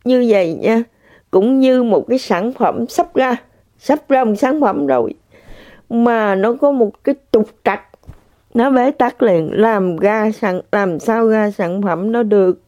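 An older woman giving an emotional, halting spiritual testimony to listeners, often repeating herself. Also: on the high side, mellow, dry recording, studio quality. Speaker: religious practitioner sharing testimony. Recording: dull lo-fi sound.

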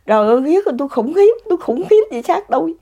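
A woman's voice: high voice, big pitch swings, fast, dark tone, lo-fi sound. Woman, casual testimony, exclamatory, laughing. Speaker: speaker sharing a personal story.

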